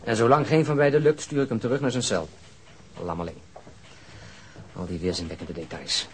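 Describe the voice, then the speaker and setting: Man as a tired, fast-talking detective. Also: fairly low pitch, steady tone, natural voice. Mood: weary, disgusted. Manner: terse, irritable. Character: tired, irritable, disgusted male police detective. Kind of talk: radio drama acting. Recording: noisy old radio drama recording.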